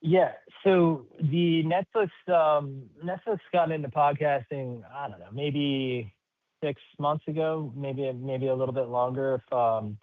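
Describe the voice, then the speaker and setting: A man speaking as a company executive answering questions on an earnings call, halting, rambling and upbeat. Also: medium pitch, no room sound. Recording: slightly muffled, dry call audio.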